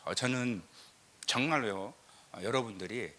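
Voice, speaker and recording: A middle-aged Korean pastor from the south with a slight southern regional lilt, preaching a teaching sermon with scripture readings and rhetorical questions. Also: male voice, medium pitch, moderate pace, sharp tone. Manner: emphatic, rhetorical questions, frequent "eo" fillers. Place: church sanctuary.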